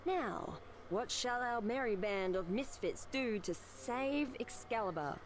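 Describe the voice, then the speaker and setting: A woman's voice: fairly high pitch, expressive, slow pace, a little hiss or hum. A woman acting a dramatic, playful narrator of a visual novel game. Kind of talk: theatrical scripted narration.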